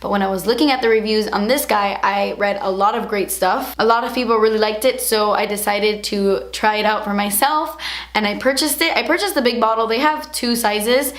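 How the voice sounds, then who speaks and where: A woman in her twenties reviewing her favorite makeup products in a chatty, gushing way, her voice a little hoarse from shouting. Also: mid-range voice, a little fast, roomy sound. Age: 20s. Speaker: beauty vlogger.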